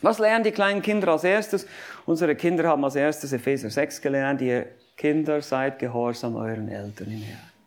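A man's voice: mid-range voice, moderate pace. A man preaching a sermon, emphatic, asking his listeners questions and stacking up repeated phrases as he talks to them directly.

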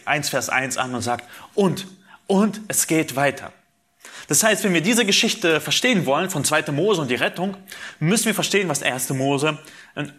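Earnest German-speaking preacher with rhetorical questions. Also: male voice, on the high side, a bit bright. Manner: earnest, rhetorical questions, reads Bible passages aloud. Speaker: pastor. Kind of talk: sermon.

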